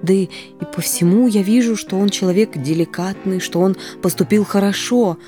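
A woman's voice: mid-range voice, fairly even intonation, moderate pace, mellow, soft background music, natural voice. A woman doing a timid, coaxing young man. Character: timid young man, dreamy and eager to help. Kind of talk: audiobook reading.

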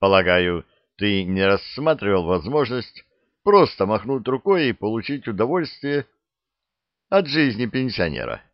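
A man reading the part of a space legion captain who asks careful, measured questions. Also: fairly low pitch, very animated, dry recording, dull audio. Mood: probing. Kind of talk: audiobook character reading.

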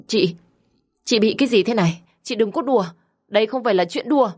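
A woman's voice: on the low side, animated, moderate pace, breathy edge. A woman voicing a young woman who speaks in a tense, insistent way. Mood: alarmed. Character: young woman, wronged and indignant.

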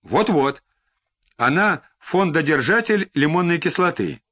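A man's voice: a little high, expressive, unhurried, a bit bright. A man voicing a frightened, tearful middle-aged suspect who pleads and snaps irritably. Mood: agitated. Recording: slightly dull lo-fi recording.

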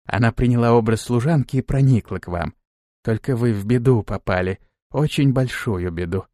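A man doing a quiet, lifeless female servant. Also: medium pitch, moderate pace, no echo, studio quality, natural voice.

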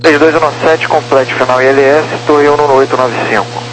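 A man's voice: mid-range voice, steady tone, normal speed. A Brazilian man working as an air traffic controller, giving clipped instructions over a crackly radio. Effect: crackly two-way radio. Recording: crackly radio with loud hum.

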